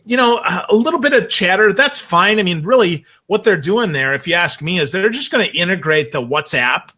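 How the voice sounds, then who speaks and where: A man's voice: high voice, lively intonation, brisk, sharp tone. A man giving blunt, emphatic opinions as a guest in a casual panel chat, often checking in with rhetorical questions. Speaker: guest panelist, sales trainer and marketer.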